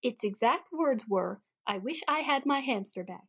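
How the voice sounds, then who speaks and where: A woman's voice: a little high, expressive, normal speed, husky, dull audio. A woman playing a naive, bubbly young wishing star with a ditzy, girlish manner in a fantasy comedy audio drama. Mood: clueless, puzzled.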